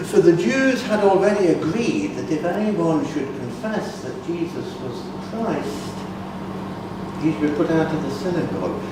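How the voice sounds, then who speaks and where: A man narrating a dramatic reading of scripture at a conference, deliberate and expressive. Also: fairly high pitch. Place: conference hall. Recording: echoey hall from far off, background noise.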